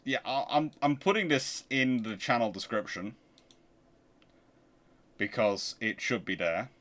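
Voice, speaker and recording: A man's voice: mid-range voice, measured pace, a bit bright. A man hosting a livestream in a casual, chatty way, answering viewer questions and often repeating words as he restarts phrases. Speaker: livestream host.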